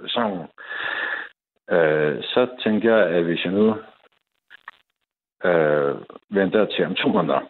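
A man's voice: low-pitched, long pauses, slight background noise. A man calling in to a radio show, hesitant and self-deprecating, with many fillers. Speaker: caller. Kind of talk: call-in radio chat. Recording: tinny phone line.

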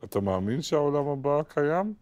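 A man hosting a podcast, asking interview questions in a calm, measured way. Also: a little high. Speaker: podcast host.

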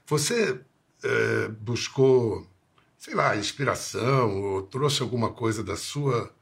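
Male interviewer, gravelly and husky; gentle, probing. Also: mid-range voice, animated, slow. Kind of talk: interview questions.

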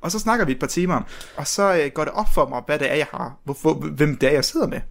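A man's voice: fairly high pitch, lively intonation, vocal fry. A young man telling a long anecdote in casual podcast chat, rambling with many restarts and frequent laughter. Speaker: podcast guest, researcher.

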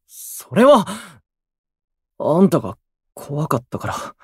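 An actor playing a gloomy, prickly, self-deprecating young station worker in a voice drama, with blunt, grumbling delivery. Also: male voice, a little high, wildly swooping pitch, slow, breathy edge, dry recording, clean studio sound, exaggerated voice. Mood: wary, sulky. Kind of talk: Japanese voice drama acting.

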